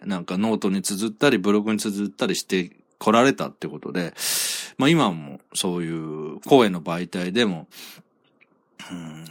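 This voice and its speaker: A man's voice: low-pitched, no echo, studio quality. A man hosting his own podcast, reading out listener comments in a rambling, self-deprecating way with frequent chuckles. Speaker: podcast host.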